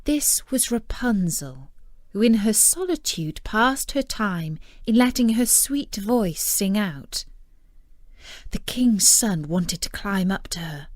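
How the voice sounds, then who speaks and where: Slow, expressive female storyteller. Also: mid-range voice, dry recording, studio quality. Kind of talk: scripted fairy tale narration.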